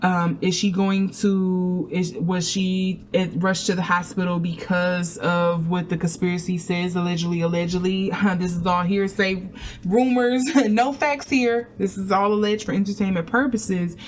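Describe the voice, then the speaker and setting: A woman's voice: lowish voice, level tone, moderate pace, hardly any pauses, a little hiss or hum. A woman giving a casual tarot reading to camera, chatty and meandering, with many fillers and restarts. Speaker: tarot reader.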